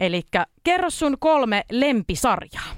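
A woman speaks with very wide pitch swings. The recording is very clean and silent in the background, with a dry, close sound and no echo. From Savonia, Finland. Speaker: radio host. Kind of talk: casual chat. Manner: animated.

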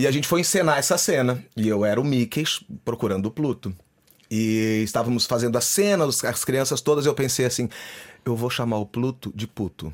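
Lively intonation marks this man's plain, everyday voice, which sits at a medium pitch and moves at a fairly quick pace. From Brazil. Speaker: musical theatre actor. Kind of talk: radio interview.

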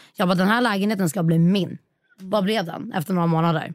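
In a dry, close recording with no echo, a woman of medium pitch speaks at a fairly quick pace with ordinary pitch variation. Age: 20s. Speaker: podcast guest. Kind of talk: casual chat.

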